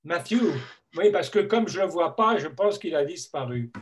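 A man's voice: high voice, lively intonation, moderate pace. A man in his fifties hosting a casual chat on a video call from home, hesitant with many fillers and given to playful teasing. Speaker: host. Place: home room, indoors.

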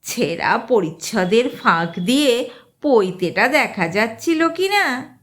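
A woman's voice: on the high side, very animated, takes it slowly, voice pushed up. A woman voicing a plain-spoken village fisherman in a folksy way.

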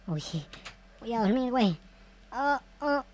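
A man playing a naive, panicky noob game character in excited, repetitive roleplay commentary. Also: extremely high pitch, a little slow, slight background noise, full character voice. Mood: excited, curious. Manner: frantic, repetitive, exclamatory. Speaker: gaming video creator. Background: faint music.

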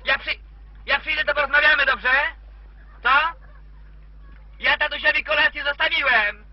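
High squeaky mummy's boy, naggy and repeaty on the phone, dull lo-fi tape. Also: moderate pace, dry recording. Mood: fussy. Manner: fussy, repeating himself, nagging down the line. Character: grown man, a mummy's boy, on the phone to his mother. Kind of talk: cabaret sketch. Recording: dull lo-fi recording.

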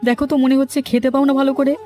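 A man voicing a whining, self-pitying cartoon schemer who has been brought low. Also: level tone, racing, mellow. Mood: sorry, bitter. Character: whining, town-educated male schemer, later regretful beggar.

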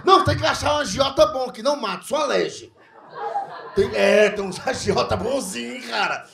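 A man doing a crude, animated stand-up comedy set, slipping into mock foreign voices as he tells his story. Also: extremely high pitch, normal speed, creaky, background noise. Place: comedy club stage with a live audience. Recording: echoey room, loud crowd laughter.

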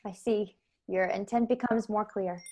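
A young woman acting a composed, devoted lower-caste starship attendant in a radio play, measured and formal in both dialogue and narration. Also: steady tone, warm tone, close to an everyday voice. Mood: calm, deferential. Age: young adult. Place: bedroom, over a video call.

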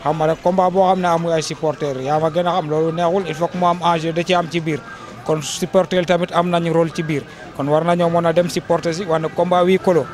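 A young Senegalese man with a slightly high voice speaks steadily and with conviction, going back over his point more than once. Handheld mics are held close to him outdoors. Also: level tone, fast talker. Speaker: local resident interviewee. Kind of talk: street interview. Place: outdoors by a wall. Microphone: handheld reporter mics held close.

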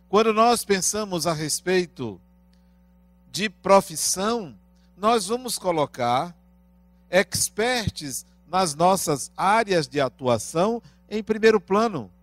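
A man in his fifties from Brazil giving a spiritist lecture into a handheld microphone in a small room, asking rhetorical questions in a measured way. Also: high voice, expressive, no echo. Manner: slow, deliberate, rising and falling in loudness.

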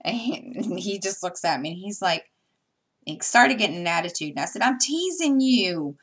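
Low-voiced chatty woman vlogging. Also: lively intonation, fairly quick, fairly bright tone, breathy edge. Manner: rambling, chatty, with many fillers and restarts. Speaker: stitching vlogger. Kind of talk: casual chat while stitching. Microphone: camera mic.

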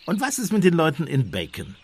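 An actor playing a gentle, doubting village priest turned sleuth in a German radio play, courteous and questioning. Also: male voice, fairly high pitch, huge pitch swings, fairly quick, slightly rough, exaggerated voice. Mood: protesting, earnest.

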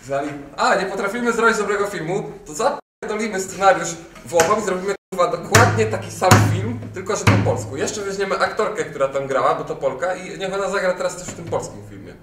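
A man's voice: sits high, fast talker, hardly any pauses, a bit bright, soft background music. A young man chatting casually and jokingly as a co-host, irreverent and given to swearing. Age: young adult. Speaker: co-host promoting audio dramas. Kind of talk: casual jokey chat. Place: indoor green-screen studio at a table. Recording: roomy, distant mic with background noise.

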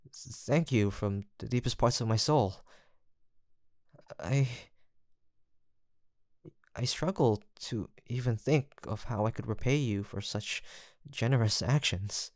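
A man playing a gentle, earnest apothecary in a fantasy audio roleplay, soft-spoken, formal and courteous, with some hesitation. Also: mid-range voice, slow pace, long pauses, dry recording, studio quality. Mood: touched, grateful. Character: gentle, earnest, guilt-haunted male apothecary in fantasy village. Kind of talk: soft, sweet roleplay acting addressed to the listener.

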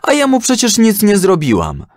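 A man's voice: sits high, huge pitch swings, moderate pace, a little mellow, no room sound, studio quality, voice pushed up. A man voicing a puzzled, hurt young girl who complains plaintively in a children's story. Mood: puzzled, complaining.

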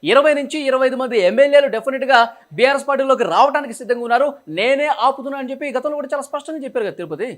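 Male political editor, live commentary, high pitch, extremely rapid delivery.

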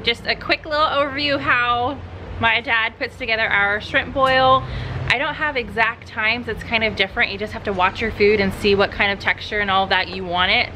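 A woman's voice: a little high, fairly even intonation, normal speed, bright, forceful tone, a little hiss or hum, low-quality recording. A woman in her thirties chatting casually to her viewers while filming a cooking vlog on an outdoor deck. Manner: chatty, addresses viewers as "you guys". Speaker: vlogger.

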